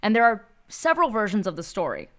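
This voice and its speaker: A woman's voice: medium pitch, sing-song, quick pace. A woman co-hosting a podcast, chatting and telling stories in a playful, irreverent way, with bits of Spanish slang mixed in. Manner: bilingual, drops Spanish slang into English. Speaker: podcast co-host. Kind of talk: casual comedic storytelling chat.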